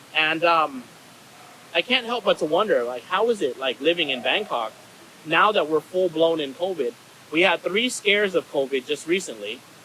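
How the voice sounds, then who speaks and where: Talking at a moderate pace over noticeable background noise, a man with a high pitch and an American accent sounds animated, with lively intonation. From Texas. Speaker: interviewer. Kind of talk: casual interview.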